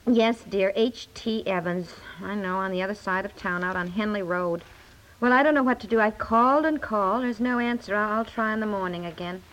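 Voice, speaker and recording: An actress playing a mild, polite housewife, gentle and a little flustered, in a 1950s radio comedy. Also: female voice, mid-range voice, a little fast, close to an everyday voice. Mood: worried. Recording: noisy old 1950s radio recording.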